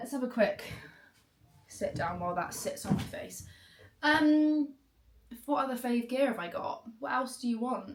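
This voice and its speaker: A woman talks in a southern English accent with a high pitch. Her intonation is lively, broken by long, frequent pauses. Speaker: lifestyle vlogger. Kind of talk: casual vlog chat. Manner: fast.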